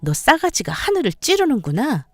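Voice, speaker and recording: A woman voicing a sharp-tongued, sarcastic sister-in-law who bosses and belittles her brother's wife. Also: sits high, huge pitch swings, moderate pace, dry recording, voice pushed up, exaggerated voice. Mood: scornful. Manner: sarcastic, bossy, needling.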